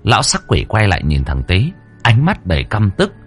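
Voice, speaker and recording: A man's voice: fairly low pitch, huge pitch swings, moderate pace, slightly rough, soft background music. A man narrating a horror story dramatically.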